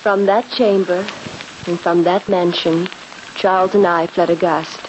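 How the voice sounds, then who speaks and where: An actress narrating as a young woman recalling a terrifying escape, in measured storytelling, in an old radio drama. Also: lowish voice, steady tone, a little mellow, slight background noise, lightly acted, rough recording. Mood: solemn. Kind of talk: 1940s radio acting.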